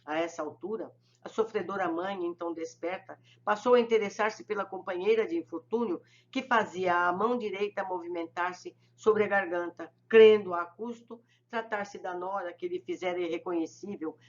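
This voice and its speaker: An audiobook narrator reads slowly and carefully, with a reverent tone. The pitch sits in a middle range. The recording sounds slightly dull and lo-fi. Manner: slow, careful, reverent reading. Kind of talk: scripted narration of a spiritist novel.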